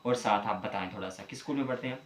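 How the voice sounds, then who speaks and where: Man teaching in an echoey room. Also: fairly low pitch. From Pakistan. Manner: patient, repeats words slowly for drilling. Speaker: spoken English tutor. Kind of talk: classroom teaching, explaining pronunciation. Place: room in a home during home tuition.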